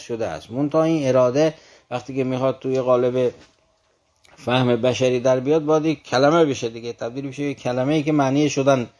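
A man's voice: mid-range voice, a little mellow. A man explaining classical poetry. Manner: recites verses slowly, then explains them; earnest and explanatory. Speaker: literature commentator.

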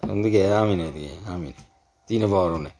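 A man explaining classical poetry in conversation, earnest and patient. He recites verse slowly and then unpacks each line. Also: deep voice, dark tone. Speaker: literature commentator.

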